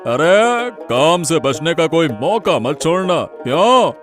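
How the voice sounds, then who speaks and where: Guy voicing a good-natured village husband, kinda high, bouncy, bit teasing. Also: sing-song, slow, soft background music. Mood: easygoing. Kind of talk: cartoon voice acting.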